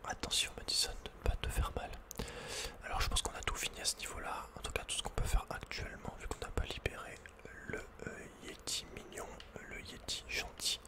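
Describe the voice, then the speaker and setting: A man whispering unhurriedly as he thinks aloud, hosting an ASMR video game playthrough. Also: fairly quick. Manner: whispering throughout. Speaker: ASMR gamer host.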